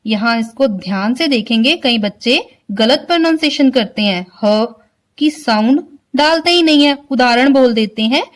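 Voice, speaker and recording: A woman teacher giving a slow online vocabulary lesson to children, explaining words one by one and often checking that they understand. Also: fairly high pitch. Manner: slow, explains word by word, keeps asking if clear. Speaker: school Hindi teacher.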